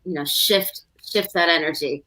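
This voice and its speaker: A woman's voice: low-pitched, normal speed, bright, forceful tone, low-quality recording. A woman co-hosting a livestream talk show, chatting casually and giving practical advice with personal examples, full of fillers.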